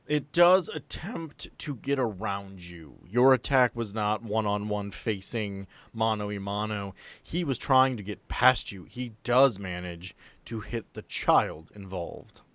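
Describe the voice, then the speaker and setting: A man with a fairly low voice works as game master, narrating a tabletop adventure in a conversational, off-the-cuff style. The sound is dry and close, with little room in it. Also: takes it slowly, fairly bright tone, no echo. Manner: improvised, conversational storytelling.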